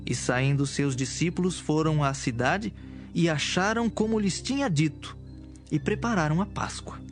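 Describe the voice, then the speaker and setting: Casting: man as narrator for a Bible audio drama, lighter-pitched, measured storyteller, over background music. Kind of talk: scripted narration of dramatised scripture.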